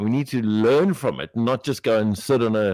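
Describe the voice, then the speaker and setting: In a very clean recording with a silent background, a man with a normal speaking voice talks at medium pitch and a moderate pace, his intonation lively. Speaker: radio breakfast show host. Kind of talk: radio show hosting. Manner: upbeat.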